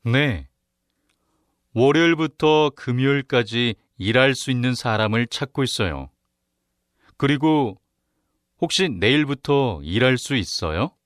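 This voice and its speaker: A man reading the question numbers and his part of a listening-test dialogue, slowly and with careful enunciation. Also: medium pitch, expressive, dry recording, studio quality. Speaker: narrator and dialogue reader on a Korean listening exam. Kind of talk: scripted exam narration and dialogue.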